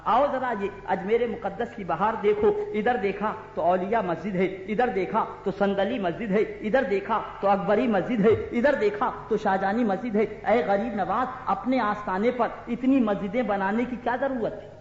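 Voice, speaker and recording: A man preaching an impassioned sermon, urging the crowd to respond and rising to shouts. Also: high voice, few pauses. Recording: echoey hall, muffled lo-fi sound.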